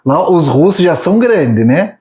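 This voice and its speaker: On a casual interview podcast, a male host tells funny stories and laughs often between questions. His voice is fairly high and sing-song, unhurried, with a darkish tone.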